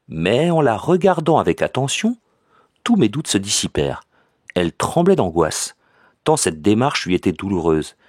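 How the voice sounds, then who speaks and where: Low, lively audiobook narrator. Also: male voice, dry recording, studio quality. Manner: measured, expressive literary reading. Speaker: audiobook reader.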